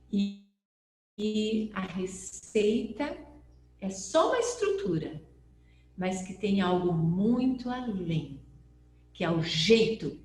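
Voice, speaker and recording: Brazilian woman lecturer, animated storyteller, roomy echo with a low hum behind her. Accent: Brazilian Portuguese. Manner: lively storytelling, acts out quoted voices. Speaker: NLP teacher. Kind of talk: lecture with acted quotes. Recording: echoey room with faint hum.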